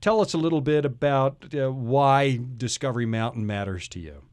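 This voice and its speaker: A man hosts a relaxed radio panel. His voice sits at a medium pitch, and he talks in a jokey, teasing way as he puts questions to his guests. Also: moderate pace. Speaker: radio show host. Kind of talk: casual panel interview.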